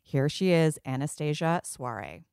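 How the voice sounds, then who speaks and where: A woman's voice: low-pitched, expressive, unhurried, a little mellow, smooth, no echo, clean studio sound. A woman co-hosting a podcast, chatty and enthusiastic in casual chat. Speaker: podcast co-host.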